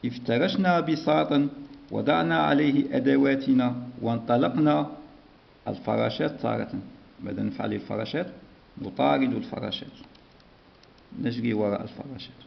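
A man's voice: medium pitch, brisk, gravelly, long pauses. A man teaching a primary school lesson, patiently dictating and repeating words. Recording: dull lo-fi recording.

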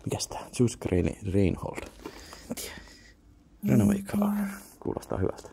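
Young Finnish man, low and gravelly, mumbling half-whispered asides, noisy camera mic. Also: sing-song. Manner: mutters to himself, half-whispered asides, swears offhand. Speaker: vlogger browsing a flea market. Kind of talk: casual muttered commentary to camera. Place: indoor flea market.

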